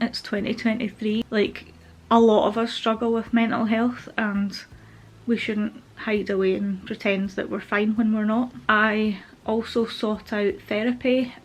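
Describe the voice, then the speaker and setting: A woman's voice: medium pitch, creaky. Stuffy-nosed young woman vlogging. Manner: open, meandering, with frequent fillers. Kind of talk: candid personal update to camera. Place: at home, with pet rabbits nearby.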